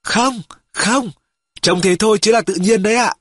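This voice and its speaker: A man's voice: sits high, moderate pace, slightly rough, no room sound, clean studio sound, pitched above the performer's own voice. A man reading an audiobook, voicing a polite, earnest teenage boy who answers adults respectfully.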